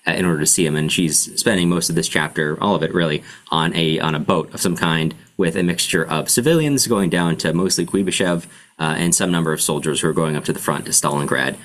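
Male host, deep voice, conversational recap for a literary read-along. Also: brisk, fairly bright tone. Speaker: podcast host.

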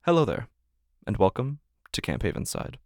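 A man reading a scripted podcast introduction and narration in a measured, formal way as host. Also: medium pitch, sing-song, background noise.

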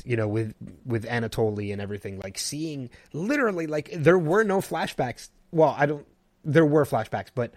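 A man co-hosting a podcast, excitedly recapping TV episodes in casual chat with restarts. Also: medium pitch, no room sound. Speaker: podcast co-host.

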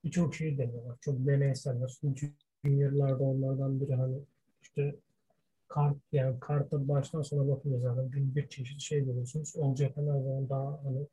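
Male co-host, very mellow and husky, chatting casually in imperfect Turkish, hunting for words, dropping in English. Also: medium pitch, level tone, brisk. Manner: self-described poor Turkish, gropes for Turkish words, mixes in English terms. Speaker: podcast co-host. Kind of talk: casual wrestling history discussion.

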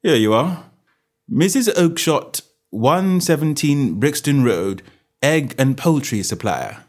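A man puts on a shrewd gentleman detective from a classic storybook, pitched up and animated. He sounds genteel and self-assured, carelessly goading whoever he talks to. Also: takes it slowly. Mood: reading out.

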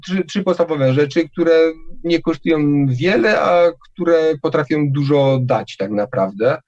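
A man's voice: fairly high pitch, unhurried, darkish tone, dull audio. A man giving an interview, talking casually and hesitantly, often restarting his words. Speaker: interview guest.

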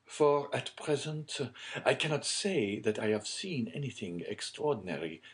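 A man voicing a stolid, skeptical middle-aged banker in a storybook, slow and dismissive. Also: mid-range voice, lively intonation, voice pushed up, natural voice.

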